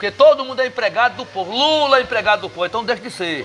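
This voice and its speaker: Over noticeable background noise, a man with an extremely high pitch talks in a raised, projected voice with an animated tone at a fairly quick pace. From Brazilian Northeast (Paraíba). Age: 70s. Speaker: political activist and city council candidate. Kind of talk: interview. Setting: bar with audience.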